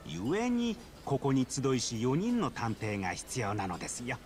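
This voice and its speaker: An actor playing a nerdy, pedantic detective in a video game drama, with grandiose, precise and polite delivery. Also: male voice, medium pitch, huge pitch swings, unhurried. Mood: confident, scheming.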